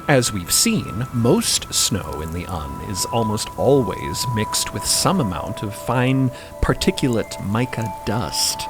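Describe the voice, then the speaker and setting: A man giving expressive, deliberate scripted narration for a fiction podcast. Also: medium pitch.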